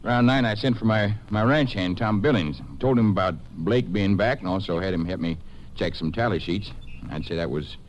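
An actor playing a folksy, defensive Texas rancher in a 1950s western radio drama. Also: male voice, lowish voice, fairly quick, lightly acted. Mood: hesitant, defensive. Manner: folksy, hesitant explaining that turns indignant. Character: touchy, defensive Texas rancher, adult man. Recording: noisy old-time radio recording.

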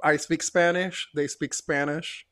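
Higher-voiced man, dry and teasing. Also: fairly even intonation, a little slow, a crowd in the background. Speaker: podcast co-host. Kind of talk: casual chat.

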